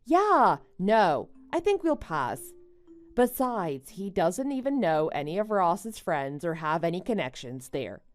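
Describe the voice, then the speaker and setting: A woman's voice: fairly low pitch, very animated, slow, soft background music. A woman playing a level-headed young married woman, a betrayed friend who answers firmly and with exasperation in a story drama. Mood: indignant, firm. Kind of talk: melodramatic animated-story voice acting.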